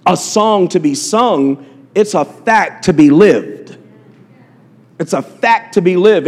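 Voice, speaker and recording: A man's voice: fairly high pitch, long reverb tail. A man preaching a sermon in a church, impassioned and repetitive, with frequent fillers and restarts. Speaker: pastor.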